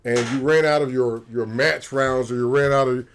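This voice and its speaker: A man's voice: medium pitch, fairly even intonation, moderate pace, slight background noise. A man co-hosting a livestream, explaining things in a matter-of-fact way with frequent restarts. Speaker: co-host, former sniper. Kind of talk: casual explanatory livestream talk.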